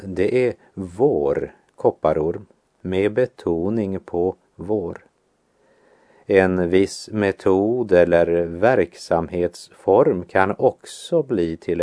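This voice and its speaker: A man reading a devotional teaching aloud in an earnest, measured preaching manner. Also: low voice, mellow, no room sound, studio quality. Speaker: devotional speaker.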